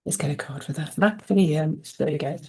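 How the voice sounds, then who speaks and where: A woman with a deep, gravelly voice offers spiritual guidance while reading oracle cards. Her tone is dark and mellow, and she speaks softly and without hurry. She circles back over the same phrases again and again. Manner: soft, unhurried and repetitive, dwelling on phrases. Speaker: host and oracle card reader.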